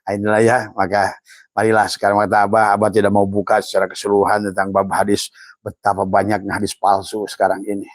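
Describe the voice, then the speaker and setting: A man's voice: lowish voice, monotone, fast talker, no room sound, studio quality. An older man, an Islamic preacher, giving a rambling religious teaching talk with many fillers and restarts, quoting Arabic phrases.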